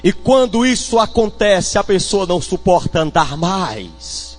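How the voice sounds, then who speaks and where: A male bishop with a Northeastern Brazilian accent preaching a fiery sermon, swinging between shouts and hushed tones and calling on the congregation. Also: high-pitched, big pitch swings, a little slow, faint music behind.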